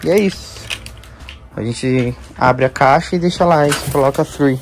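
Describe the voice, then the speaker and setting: Against noticeable background noise, a man of medium pitch speaks at a fairly slow pace with ordinary pitch variation. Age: 20s. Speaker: vlogger. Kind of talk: casual vlog narration. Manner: animated.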